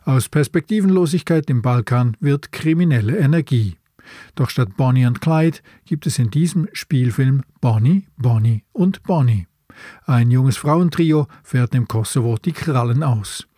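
A man's voice: mid-range voice, expressive, unhurried, mellow, breathy edge, dry recording, studio quality. A man hosting a film podcast, presenting from a script. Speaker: podcast host.

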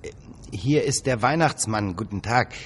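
An actor playing a kindly young man standing in for Santa, gently chatting to his reindeer and a boy. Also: lowish voice, lively intonation, moderate pace, slight background noise, close to an everyday voice. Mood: gentle.

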